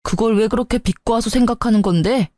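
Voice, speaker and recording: A defensive husband in a narrated family story, voiced by a woman narrator, pleads and justifies himself. The delivery stays mellow and dry, close to the narrator's own tone. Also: on the high side, a little fast, dry recording, close to an everyday voice. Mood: accusing.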